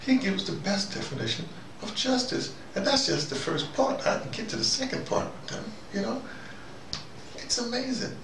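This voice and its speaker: A man hosting an informal monologue, telling anecdotes in a halting, digressive way and acting out both sides of exchanges. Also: extremely high pitch, big pitch swings. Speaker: host of a recurring spoken dispatch. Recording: noisy, roomy recording, distant from mic.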